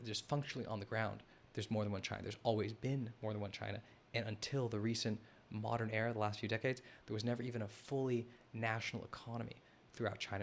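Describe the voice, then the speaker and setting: The host of a live analysis stream talks loosely over a map, rambling, correcting himself, restarting sentences and addressing the chat. His voice is lowish with vocal fry, and slight background noise can be heard.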